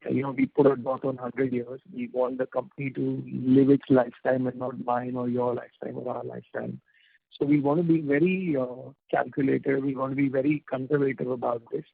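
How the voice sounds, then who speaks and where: A man with an Indian accent answers investor questions as a company executive, in informal, halting phrasing. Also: mid-range voice, gravelly, slightly rough, no room sound. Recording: tinny, dry phone line.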